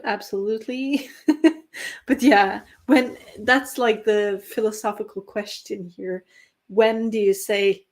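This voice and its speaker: A woman's voice: mid-range voice, darkish tone. A young adult woman from Norway, a native Norwegian speaker, chatting casually with viewers on a writing livestream, with frequent laughs and fillers. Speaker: writing stream host.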